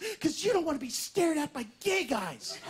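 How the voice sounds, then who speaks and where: A put-on character voice, high-pitched, moves along at a fairly quick pace. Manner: trembling, fearful.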